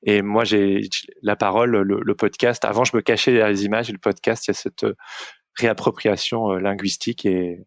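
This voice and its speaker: A man's voice: on the low side, little pitch movement, fairly quick, dry recording, clean studio sound. A young man, hosting a casual podcast interview, hesitant with many restarts. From Belgium. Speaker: podcast host.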